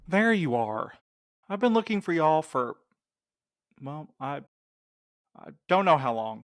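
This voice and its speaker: Naturalistic audio drama courier, male actor, anxious and methodical, slow hesitant delivery, close dry recording. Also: on the high side, sing-song, dry recording. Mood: puzzled. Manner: hesitant, reasoning aloud.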